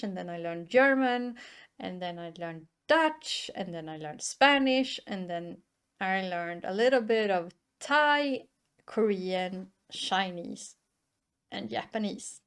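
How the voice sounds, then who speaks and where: A woman's voice: medium pitch, animated, measured pace, a bit bright, smooth. A woman whose first languages are Swedish and Norwegian, hosting casual reaction commentary and thinking aloud with many restarts. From Sweden or Norway. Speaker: reaction channel host.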